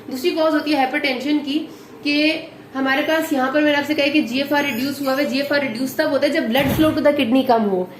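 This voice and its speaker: A woman lecturing on medicine in a patient, explanatory way, often checking in with students and repeating key points. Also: sits high. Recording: echoey room with faint noise.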